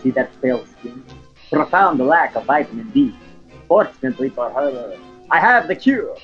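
A man's voice: mid-range voice, expressive, normal speed, dull audio, soft background music, lightly acted. A man playing a cocky, wisecracking young barfly in an audio horror story.

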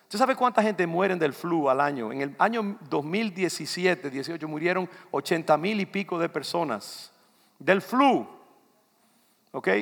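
Older Dominican pastor, gravelly voice, church hall. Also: male voice, fairly high pitch, a bit bright. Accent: Dominican Spanish. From Dominican Republic. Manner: conversational, loose preaching with asides to the congregation. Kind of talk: sermon. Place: church sanctuary. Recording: long reverb of a church hall.

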